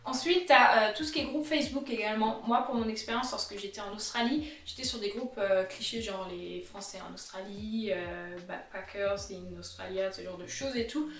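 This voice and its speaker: A young woman with an Alsatian accent, chatting casually to camera as a vlogger, animated and talking straight to her viewers. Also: mid-range voice, normal speed, few pauses, far from the mic, slight background noise. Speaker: illustrator vlogger. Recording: roomy sound, mic set back.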